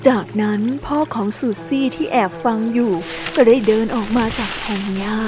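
A woman reads a children's storybook aloud in a gentle, expressive way. Her voice sits high for a woman. Soft music plays faintly underneath. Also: normal speed. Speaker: narrator. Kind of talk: scripted storybook narration.

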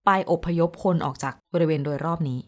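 A woman radio host telling a news story in casual chat, animated when quoting. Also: deep voice, a little fast.

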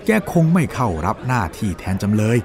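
Guy acting as a pushy defence lawyer in an audio story, pointed questions, really animated pitch, faint crowd noise. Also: fairly quick, close to an everyday voice. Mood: assured. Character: insistent male defence lawyer cross-examining a witness. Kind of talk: dramatised courtroom dialogue.

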